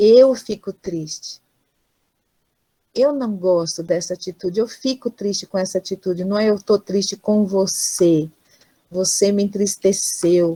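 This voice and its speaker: Medium-pitched woman's voice, fairly slow, with ordinary pitch variation and a dry, close sound with no echo. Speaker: pastor and psychologist. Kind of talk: online lecture. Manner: animated.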